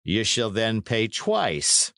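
A man's voice: mid-range voice, sing-song, takes it slowly, a bit bright, no echo. A man voicing a menacing, coldly mocking knight in a storybook, with a dry, commanding manner and archaic speech. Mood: stern, accusing.

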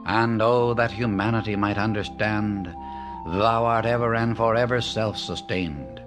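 A man reading a devotional book aloud as an audiobook narrator, in a measured, reverent way with long pauses. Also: on the low side, over music. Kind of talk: slow, solemn reading of devotional text.

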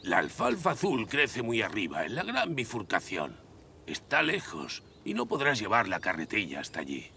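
An actor voicing a stern, gruff old grandfather with a soft heart in an animated series. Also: fairly low pitch, moderate pace, a little hiss or hum, heavily acted. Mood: grave. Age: older. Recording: music behind the voice.

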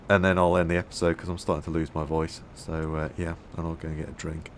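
A man musing aloud as he plays a game, his voice a little hoarse, with many fillers. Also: very deep voice, little pitch movement, fairly quick, slight background noise. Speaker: gameplay video host. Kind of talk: casual gameplay commentary.

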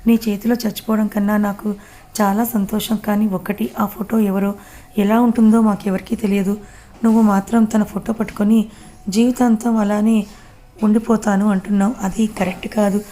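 A woman's voice: medium pitch, level tone, brisk, mellow, close to an everyday voice. A woman reading a proud reckless young woman. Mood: pleading.

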